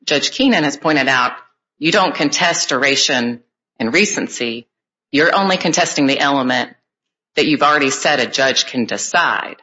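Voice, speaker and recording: Bright-voiced male presiding judge. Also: medium pitch, animated, moderate pace. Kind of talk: questioning counsel from the bench. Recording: dull lo-fi courtroom audio.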